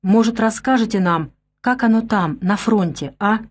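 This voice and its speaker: A woman reading an audiobook, voicing a serious, sharp young man who speaks calmly and measured. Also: medium pitch, close to an everyday voice. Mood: earnest.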